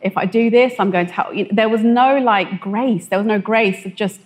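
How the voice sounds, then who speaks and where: A woman's voice: mid-range voice, fairly quick. Hesitant woman telling her story. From West London. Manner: hesitant, filler-heavy, animated when quoting others. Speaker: testimony guest. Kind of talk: conversational testimony.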